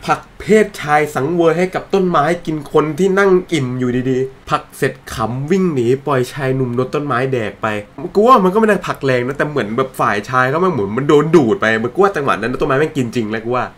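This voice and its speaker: Young man, comic storyteller, very fast, crude joking, rambling restarts, medium pitch. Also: animated, a bit bright. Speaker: comedic storyteller, channel host. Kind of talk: comedic storytelling monologue.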